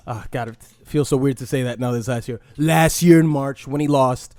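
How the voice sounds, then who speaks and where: A man hosting a casual podcast, talking in an animated, opinionated way and poking fun at himself. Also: mid-range voice, normal speed, dry recording. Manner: animated, opinionated, with mock impressions and self-mocking laughs. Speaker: podcast host.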